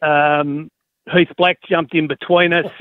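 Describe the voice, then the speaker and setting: A middle-aged Australian man, a former football coach, telling stories as a radio guest in an animated, wry way. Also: fairly high pitch, slow pace, no room sound. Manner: animated storyteller, wry and fired up. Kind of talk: casual radio interview. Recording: dry tinny phone line.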